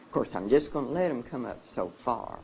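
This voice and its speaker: A speaker addressing a seminar audience, emotional and halting, often restarting sentences. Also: medium pitch, lively intonation, vocal fry, dark tone, a little hiss or hum, rough recording. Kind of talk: personal talk to an audience.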